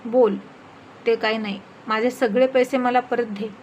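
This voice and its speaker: A wronged village mother scolds loudly through her tears, as a woman puts her on. She sounds fairly high-pitched and raw in this storybook telling, with a faint hiss behind her. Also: steady tone, unhurried, lo-fi sound, close to an everyday voice. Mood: tearful anger. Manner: loud, tearful scolding. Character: poor rural mother, wronged and furious.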